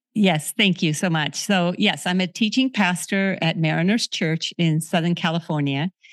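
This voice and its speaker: Speaking at a moderate pace with a Spanish accent, a woman uses a medium pitch and ordinary pitch variation on a very clean recording with a silent background. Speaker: author and speaker. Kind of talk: casual interview.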